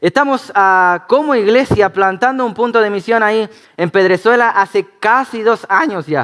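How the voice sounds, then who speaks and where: At a fairly slow pace, a man with a high voice speaks with ordinary pitch variation in a dry, close recording with no echo. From Chile. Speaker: missionary preacher. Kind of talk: sermon. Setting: church.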